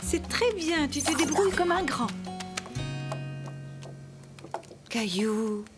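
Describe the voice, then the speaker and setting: Gentle patient cartoon mom, high lilting voice, loud music underneath. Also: female voice, unhurried. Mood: pleased. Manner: soothing, instructive, expressive. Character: gentle, patient young mother of a little boy. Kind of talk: children's cartoon dub.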